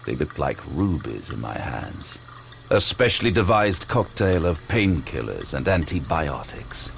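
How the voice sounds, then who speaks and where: A man's voice: extremely low pitch, very animated, unhurried, vocal fry, background noise, heavily acted. An actor playing a brooding, haunted detective who narrates his own story intensely in an audio drama.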